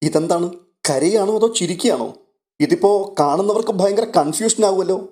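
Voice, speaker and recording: A man's voice: sits high, normal speed, dark tone, pitched above the performer's own voice, natural voice. A man reading out a cheeky young woman who gossips, voicing her as teasing and indignant.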